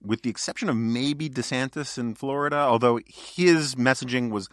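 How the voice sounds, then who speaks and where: A man's voice: mid-range voice, normal speed, dry recording, clean studio sound. A male podcast host in casual political chat, talking in a wry, joking, digressive way.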